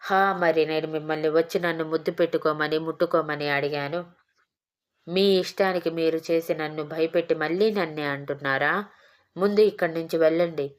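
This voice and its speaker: A shy young wife in an audio story begs her husband in timid, pleading words, as a woman reads her. The delivery is low-pitched and flat. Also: fairly quick, lightly acted. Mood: angry.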